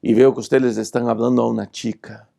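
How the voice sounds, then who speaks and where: A man's voice: medium pitch, level tone, quick pace, gravelly, mellow. A man voicing a stern elderly woman who scolds reproachfully.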